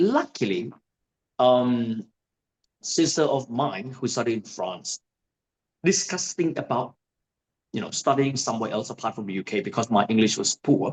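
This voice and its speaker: At a moderate pace, a man with a strong Thai accent speaks at medium pitch with lively intonation and long, frequent pauses. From Thailand, Bangkok. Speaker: career event speaker. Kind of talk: interview. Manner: halting.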